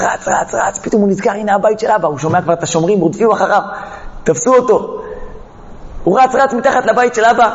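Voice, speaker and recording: A man's voice: a little high, long reverb tail, lo-fi sound, slight background noise. A man teaching a Torah lesson, telling a parable dramatically and acting out the characters. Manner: dramatic storytelling, acts out the characters. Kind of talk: storytelling lesson.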